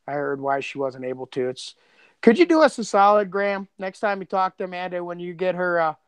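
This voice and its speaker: A man's voice: high-pitched, animated, a little fast, smooth, no room sound. A middle-aged man co-hosting a podcast, chatting casually in a rambling, slangy, joking way. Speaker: podcast co-host and co-creator. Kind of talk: casual chat.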